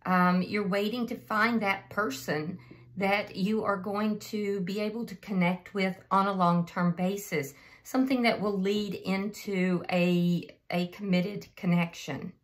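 A slightly hoarse woman giving a casual, unscripted tarot reading and speaking directly to the listener as the channel's host. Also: mid-range voice, steady tone, a little slow.

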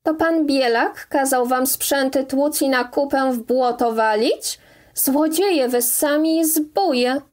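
A woman's voice: high voice, fairly even intonation, measured pace, hardly any pauses, pitched above the performer's own voice. Young outcast woman, loyal and defiant, raised voice, read by a woman narrator.

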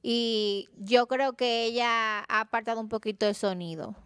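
A woman co-hosting a studio debate, with a smooth, rather high voice and a dry, close sound. She speaks calmly and with empathy, in a measured pace. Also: no room sound. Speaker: co-host of a talk show.

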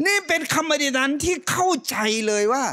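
A middle-aged male pastor preaches from a church stage, holding a handheld mic. His voice sits fairly high for a man and leaps around a great deal, rising to loud calls and dropping to quiet asides. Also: brisk. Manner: animated preaching, swinging between loud rising calls and soft low asides. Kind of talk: sermon.

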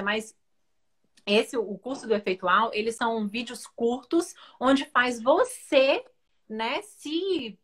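A woman's voice: fairly high pitch, fairly bright tone. A woman co-hosting, reading out viewer comments and enthusiastically praising the course, sometimes searching for words.

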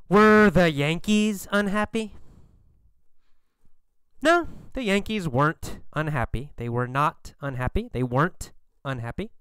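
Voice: mid-range voice, clear, resonant tone, no room sound, clean studio sound. A teacher telling a story as a question-and-answer lesson, drilling each point with repeated questions and emphatic answers. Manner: emphatic, exaggerated delivery. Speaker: English teacher.

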